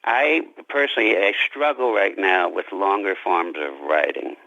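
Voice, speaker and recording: A man being interviewed as an author, talking reflectively about his craft in halting, deliberate phrases. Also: low-pitched, creaky, bright, forceful tone, no room sound, lo-fi sound.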